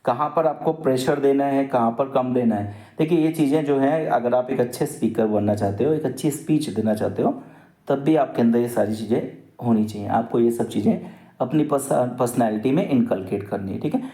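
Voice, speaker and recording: A man's voice: medium pitch, fairly quick, warm tone, echoey room. A male teacher giving an exam-prep lecture, explaining patiently with repeated examples and switching into English sentences. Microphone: microphone.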